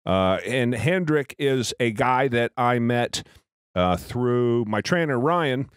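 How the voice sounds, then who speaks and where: Male podcast host, middle pitch, very dry close-mic sound, blunt, sweary, casual interviewing style. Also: lively intonation, slow pace, clear, resonant tone, no room sound. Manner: blunt, profane. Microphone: close podcast microphone.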